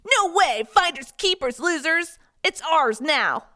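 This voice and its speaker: A man voicing a brash, defiant teenage boy in a story, sharp and creaky, taunting in exclamations. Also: very high voice, animated, takes it slowly, voice pushed up, exaggerated voice.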